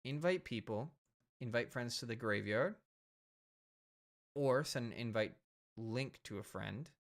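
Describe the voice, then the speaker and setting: A man's voice: mid-range voice, animated, unhurried. A man in his thirties, a streamer wrapping up a live stream in rambling casual chat, a little tipsy and slurring his words. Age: 30s. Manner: rambling, self-repeating, chatty.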